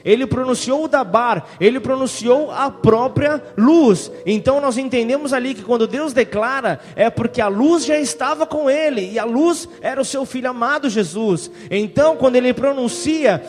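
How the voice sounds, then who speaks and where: A high-voiced man preaches as pastor, reading scripture passages and pausing to call for amens. His voice rings out in a hall with a long reverb, with soft music faintly underneath. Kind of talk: sermon.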